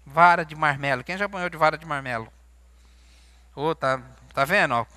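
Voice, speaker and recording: A man's voice: fairly high pitch, normal speed, pushed and bright, no echo. A man with a Brazilian Portuguese accent preaching a sermon in a church, talking conversationally and asking his congregation questions. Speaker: pastor.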